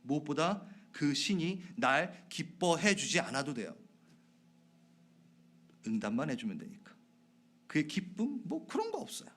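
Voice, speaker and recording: Lively pastor with a rising, swinging voice. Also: male voice, a little high, a little slow, pauses often. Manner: conversational, asks the congregation questions; swings between loud emphasis and soft whispered asides. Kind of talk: sermon. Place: church sanctuary.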